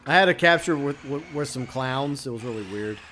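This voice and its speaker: A man's voice: medium pitch, lively intonation, a little fast, pushed and bright, a little hiss or hum. A man hosting a live game stream, chatting casually and rambling with fillers and asides. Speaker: streamer host.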